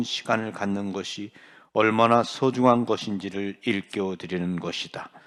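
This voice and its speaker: On a very clean recording with a silent background, a man speaks in an ordinary speaking voice at a fairly low pitch, with fairly even intonation and a fairly slow pace. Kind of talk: reading aloud.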